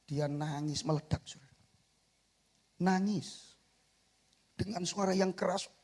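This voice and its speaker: In a church sanctuary, a middle-aged male pastor with an East Javanese accent preaches an animated sermon in a high voice at a slow pace. He swings between soft asides and shouted peaks, calling for amens.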